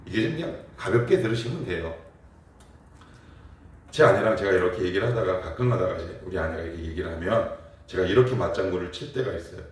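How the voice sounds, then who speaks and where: A man preaching a morning prayer sermon as pastor, explaining with rhetorical questions and acting out everyday dialogue. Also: deep voice. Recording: very echoey, mic far off.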